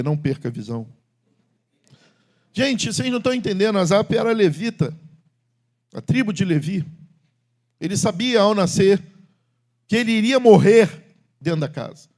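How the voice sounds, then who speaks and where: A middle-aged preacher addresses his congregation from the church sanctuary, moving back and forth between emphatic loud exhortations and low, confiding remarks.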